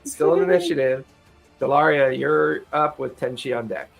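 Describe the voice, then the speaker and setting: Guy running a tabletop game, casual improvised narration, mid pitch, bit of music behind. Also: normal speed, vocal fry, low-quality recording. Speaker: game master.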